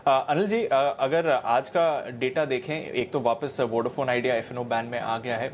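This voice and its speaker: Brief: male TV business anchor, brisk, faint background noise. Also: medium pitch. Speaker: news anchor. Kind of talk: live business news anchoring.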